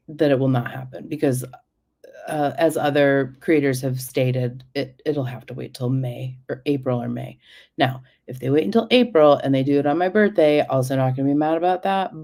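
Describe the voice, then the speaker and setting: A woman with a low voice hosts a casual livestream and chats loosely. She rambles, trails off and hops between topics, in an easygoing, talkative way. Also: dark tone. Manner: rambling, chatty, drifts off topic. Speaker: livestream host.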